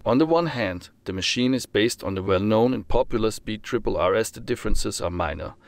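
A man reading a scripted motorcycle review as voice-over, in a steady, formal manner. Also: fairly low pitch, gravelly. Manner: steady, formal read-through of technical details.

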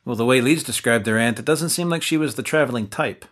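A man's voice: mid-range voice, quick pace, a bit bright, lightly acted. An actor playing a weary young man who keeps his two bumbling companions in line, with an exasperated straight-man delivery. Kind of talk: audio drama acting.

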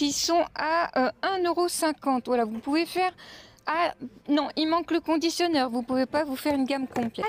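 A woman's voice: sits high, a little mellow. A woman filming a casual shopping walkthrough in a discount store, chatting to her viewers with many fillers and friendly asides. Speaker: shopping vlogger.

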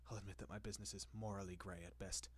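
A centuries-old vampire, acted by a man, speaks in a fairly low, husky voice. He is refined and courteous, coaxing softly with lingering pauses. The tone is doting and possessive, in the style of intimate roleplay audio. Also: little pitch movement. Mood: composed, confiding.

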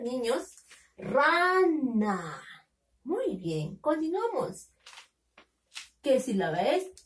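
A woman teaching a phonics lesson to young children, sounding out syllables slowly and coaxing them with questions. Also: high-pitched, darkish tone, far from the mic. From Peru. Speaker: kindergarten teacher.

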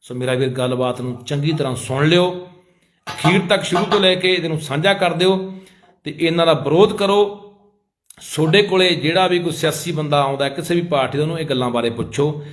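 A man's voice: a little high, a little fast, a little hiss or hum. Impassioned man with a Punjabi accent. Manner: pleading, emotional, addresses listeners as brother. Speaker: activist. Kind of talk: impassioned public appeal.

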